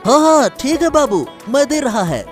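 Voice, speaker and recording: A man's voice: extremely high pitch, sing-song, normal speed, faint music behind, voice pushed up. A man voicing a cheerful male vegetable vendor in a cartoon, welcoming and singsong.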